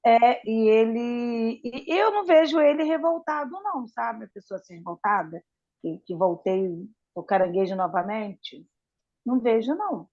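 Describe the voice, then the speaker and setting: A woman in a study group discussion, telling a story in a chatty, halting way. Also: fairly high pitch, animated, a little mellow, no room sound, dull audio.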